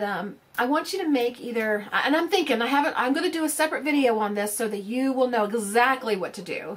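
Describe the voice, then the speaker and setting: A woman, chatting casually to her craft channel's viewers in a rambling way, full of fillers and restarts. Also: a little high. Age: 50s. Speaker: crafting vlogger. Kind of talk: casual chat to camera.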